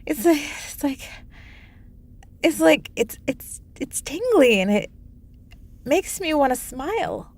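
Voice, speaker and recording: A woman's voice: high-pitched, big pitch swings, slow pace, long pauses, darkish tone, exaggerated voice. A woman playing a simple, brawny arm-wrestling wasteland character in a comedy sketch. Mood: dreamy.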